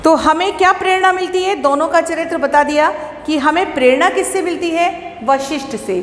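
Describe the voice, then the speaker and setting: High-voiced woman teaching a school lesson. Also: slight background noise. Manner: explains patiently, repeats words and asks then answers her own questions. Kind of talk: classroom lesson to children. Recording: echoey room with long reverb, faint ambience.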